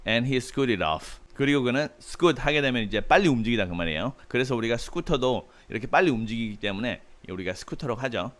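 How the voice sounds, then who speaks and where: Patient male tutor explaining slowly. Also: mid-range voice, lively intonation, fairly bright tone. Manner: patient, explanatory, with frequent "uh" fillers; reads English phrases slowly and carefully. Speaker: English tutor. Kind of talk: book-reading lesson, reading English aloud and explaining in Korean.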